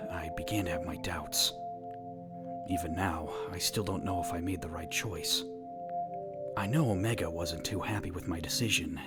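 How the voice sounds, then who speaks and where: A man playing a brooding, world-weary hero who narrates a fan audio drama in a formal, deadpan, wry way. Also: sits low, close to an everyday voice. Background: music.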